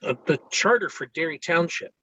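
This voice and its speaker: A man's voice: fairly high pitch, animated, moderate pace, pushed and bright, breathy edge, muffled recording, exaggerated voice. A man reading an earnest, awkward, bookish new-kid boy in a screenplay table read, with hesitant, informative delivery. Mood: eager, awkward.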